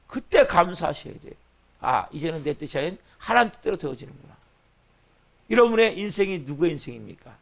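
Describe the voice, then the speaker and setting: A male pastor preaching an early-morning sermon, firing rhetorical questions at the congregation and swinging between loud emphasis and soft asides. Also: high-pitched.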